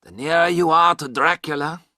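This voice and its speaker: A man reading aloud, voicing a wise older professor who explains his plans in a measured, firm way. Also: a little high, steady tone, bright, forceful tone, no room sound, clean studio sound, voice pushed up.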